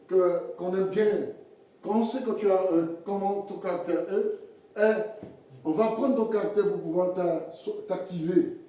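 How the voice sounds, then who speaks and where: A man preaching a sermon in a halting way, repeating words and acting out little everyday scenes. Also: high voice, dark tone. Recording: echoey hall from far off.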